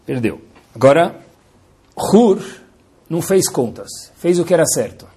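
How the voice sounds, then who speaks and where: A rabbi teaches a Torah lesson with playful theatrics. His voice is somewhat high and husky, and his pitch leaps around animatedly. He slips Hebrew terms into his talk as he goes. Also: sing-song, unhurried, warm tone.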